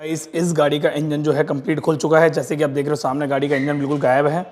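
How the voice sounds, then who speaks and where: Fast-talking, high-voiced mechanic man. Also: little pitch movement, slight background noise. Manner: quick, informal, repeats points while pointing things out. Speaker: motorcycle mechanic and channel host. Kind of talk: casual workshop walkthrough. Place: motorcycle workshop.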